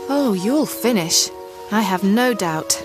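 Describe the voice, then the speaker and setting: A woman's voice: medium pitch, expressive, slow pace, music in the background. An actress playing a trusting, spirited young-spirited female travelling companion in an audio drama.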